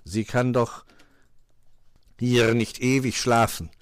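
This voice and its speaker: A man voicing a sensible black-feathered bird in a storybook, measured and given to cawing. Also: mid-range voice, steady tone, dry recording, voice pushed up, natural voice. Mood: resolute. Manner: measured, caws between phrases.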